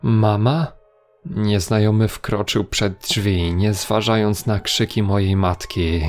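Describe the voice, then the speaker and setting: A man reading a horror story in a measured, grave storytelling manner. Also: fairly low pitch, steady tone. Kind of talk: scripted horror narration. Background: faint music.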